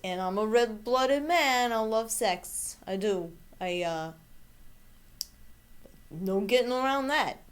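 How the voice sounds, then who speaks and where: Lady doing a horny regular guy, boastful n eager, slow talker. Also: a little high, lively intonation, smooth. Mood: frank. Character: earthy, eager red-blooded man offering himself as lover. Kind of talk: comedic character monologue.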